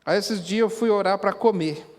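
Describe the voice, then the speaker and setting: A Brazilian pastor preaches with a high, bright-toned voice in a sermon that stays earnest and conversational. He talks straight to the congregation with questions. His voice rings out in a church hall with a long reverb tail. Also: a little fast. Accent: Brazilian Portuguese. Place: church sanctuary.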